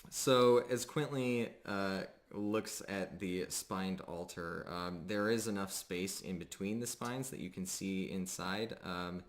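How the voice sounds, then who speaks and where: Low-voiced man narrating as game master. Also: slow pace, hardly any pauses. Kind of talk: improvised tabletop game narration.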